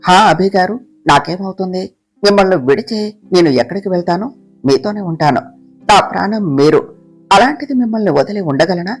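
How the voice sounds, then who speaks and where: A storyteller voicing a frightened young wife who pleads with her husband through tears, soft guitar playing behind. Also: mid-range voice, lively intonation, a little fast, husky. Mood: tearful. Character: tearful young pregnant wife, fearful and devoted. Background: soft guitar music.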